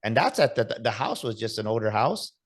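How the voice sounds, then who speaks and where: A man hosting a motivational podcast, energetic and urging listeners to act. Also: on the low side, brisk. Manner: energetic, hyped-up delivery with repeated calls to action. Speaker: podcast host.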